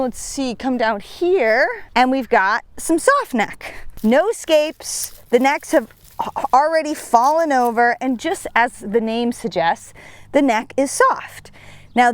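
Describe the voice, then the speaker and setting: Upbeat woman giving a gardening tutorial. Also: fairly high pitch. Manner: chatty, self-deprecating, upbeat. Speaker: seed company gardener. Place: outdoors on a farm.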